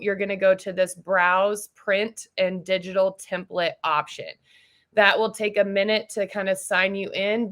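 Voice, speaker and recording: A woman trainer explaining software steps in an informal, explanatory way, as in a casual tutorial for agents. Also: mid-range voice. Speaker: trainer for real estate agents.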